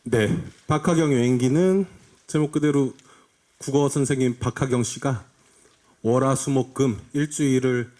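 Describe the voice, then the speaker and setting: A man's voice: medium pitch, a little mellow. A man, the director, speaking plainly and a little hesitantly at a press event.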